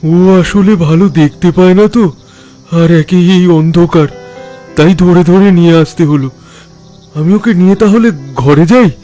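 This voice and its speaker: High-voiced, pleading stranded gentleman. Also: a little slow, soft background music. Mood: grateful, deferential. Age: middle-aged. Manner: pleading, deferential, anxious. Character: polite, pleading stranded gentleman, middle-aged husband. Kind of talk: audio horror drama acting.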